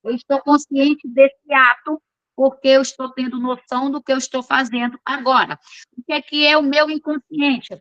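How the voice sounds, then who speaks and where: A woman's voice: high-pitched, fairly even intonation, normal speed, a bit bright, no room sound, muffled recording. A woman teaching an online class. She reads from course notes and keeps checking in with her students in a chatty, informal way.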